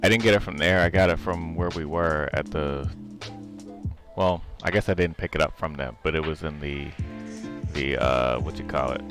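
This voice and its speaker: A man's voice: very deep voice, moderate pace. A man casually chatting with a fellow player during an online game. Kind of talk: casual gaming chat. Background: music, other players chattering.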